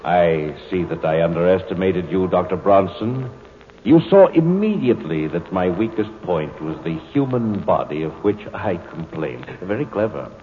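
This is 1950s radio drama acting: a male voice plays a cold, superior alien of pure energy, a condescending villain. Very low yet swinging with lively intonation at a moderate pace, he delivers formal, pedantic phrases with smug, coolly mocking amusement. The old recording is muffled with faint noise.

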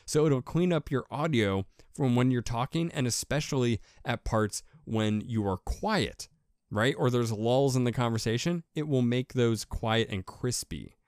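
A man with a deep voice giving a casual, rambling how-to talk as a podcaster, repeating himself with enthusiasm. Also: no room sound, studio quality. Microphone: USB desk microphone with pop filter.

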